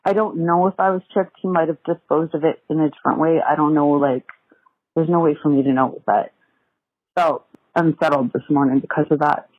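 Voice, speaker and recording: Over a narrow, tinny phone line with some room echo, a woman speaks as a caller to an advice show. Her voice is husky, and she tells her story casually, pausing and hesitating as she goes. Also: sits low, fairly even intonation. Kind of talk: casual, personal voicemail account.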